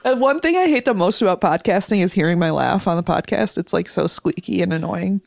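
A young woman co-hosting a podcast, teasing with dry sarcastic quips and laughing often; her voice is low and husky. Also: expressive, a little fast, a little mellow, dry recording. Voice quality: low, husky-sounding voice she jokes about. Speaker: podcast co-host. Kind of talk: casual chat.

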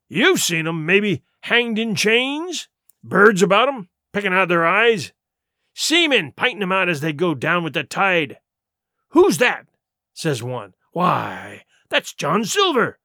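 A man's voice: sits high, big pitch swings, a little slow, sharp tone, no echo, clean studio sound, pitched above the performer's own voice, exaggerated voice. A man voicing a cunning, scornful pirate sea cook in an audiobook, with emphatic, sarcastic speech in rustic nautical dialect. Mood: scornful, heated. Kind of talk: audiobook character acting.

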